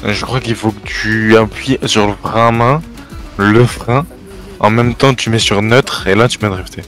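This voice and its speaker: Lowish voiced guy on game chat, joking around in slang, faint music behind. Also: fairly even intonation, unhurried, fairly bright tone. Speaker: fellow player in online roleplay game. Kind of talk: casual gaming banter.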